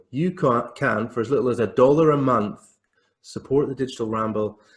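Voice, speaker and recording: A man talks at a moderate pace in a somewhat breathy, medium-pitched voice with lively intonation. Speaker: podcast co-host, tech business owner. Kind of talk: casual chat.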